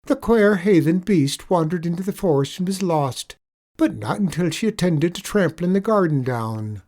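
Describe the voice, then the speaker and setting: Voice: medium pitch, lively intonation, normal speed, darkish tone, pitched above the performer's own voice. A storyteller voicing a sly, wheedling male leprechaun with an Irish accent, spinning a pitiful tale in a storybook reading.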